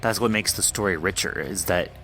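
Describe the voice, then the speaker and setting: A man's voice: sits low, fairly quick, sharp tone, faint music behind. A man hosting a conversational author interview on a podcast, speaking in an effusive, encouraging way. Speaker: podcast host.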